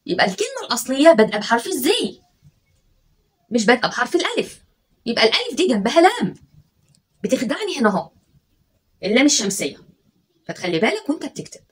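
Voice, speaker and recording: Husky Egyptian woman teacher sounding out syllables. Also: fairly high pitch, very animated. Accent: Egyptian Arabic. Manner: stretches syllables out slowly, sounding letters one by one; patient, coaxing tone toward children. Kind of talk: children's spelling and dictation lesson.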